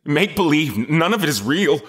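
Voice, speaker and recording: A man's voice: a little high, sing-song, moderate pace. A man playing a frightened, defensive kidnapped novelist in an audio drama, pleading and stammering. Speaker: kidnapped guest character.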